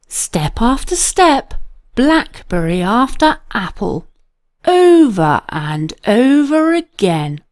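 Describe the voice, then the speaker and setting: A woman narrating a children's story in a dramatic read-aloud style with emphatic pauses. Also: medium pitch, no echo, clean studio sound.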